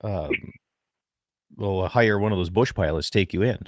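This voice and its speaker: Brief: man, radio host, low voice, folksy storyteller, dry close sound. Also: moderate pace, no echo. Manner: folksy joke-telling, loud upbeat on-air delivery. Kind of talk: casual chat, then radio show opening. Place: front porch of a ranch.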